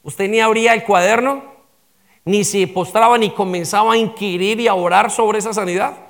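A pastor preaching a sermon, firing rhetorical questions at the congregation and calling for amens. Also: male voice, high voice, steady tone, normal speed, fairly bright tone.

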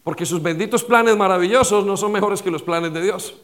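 A male pastor preaching a sermon with rhetorical questions and repetition, swinging between loud stress and quiet dropped lines. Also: high-pitched, a little fast.

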